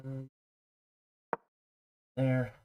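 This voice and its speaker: A man's voice: monotone, drawn-out words, clear, resonant tone, muffled recording. A man with a mild cold and a congested voice, casually talking through his chess moves on a live stream. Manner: low-key, talks through his moves.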